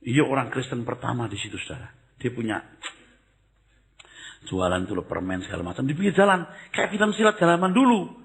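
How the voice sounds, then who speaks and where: Animated older male preacher. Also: medium pitch, fairly quick, vocal fry. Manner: conversational preaching, swings from loud exclamations to hushed asides. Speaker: pastor. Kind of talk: sermon.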